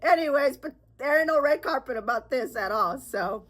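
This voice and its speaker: A woman's voice: high voice, animated, moderate pace. Congested woman chatting candidly on her podcast. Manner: candid, chatty, rambling with fillers and nervous laughs. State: congested, sick with a sore throat. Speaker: podcast host. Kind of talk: casual solo podcast talk.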